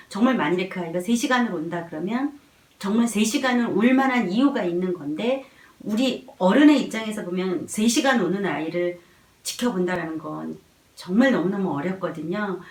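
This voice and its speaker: A woman giving an earnest, gently reassuring talk on caring for babies. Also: medium pitch. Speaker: parenting educator. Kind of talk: explanatory parenting talk. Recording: echoey room, mic far off.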